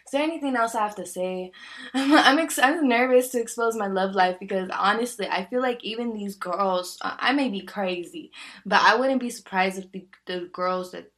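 A woman's voice: medium pitch, moderate pace, fairly bright tone. Chatty, candid woman in her twenties. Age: 20s. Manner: chatty, candid, laughs often, many fillers. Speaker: podcast host. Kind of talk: casual solo podcast chat.

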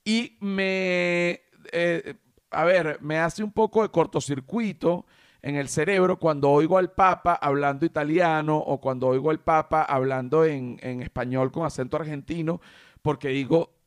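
A Venezuelan man hosting a podcast, chatting and joking in an animated way, often stretching words for emphasis. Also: fairly high pitch, unhurried, clean tone, no echo, clean studio sound. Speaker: podcast host. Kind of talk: casual comedic chat.

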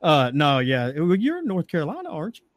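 A man's voice: a little high, quick pace. A Southern man in his forties from Tennessee, hosting a casual chat and laughing as he tells stories. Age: 40s. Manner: laughing, animated storytelling. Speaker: podcast host.

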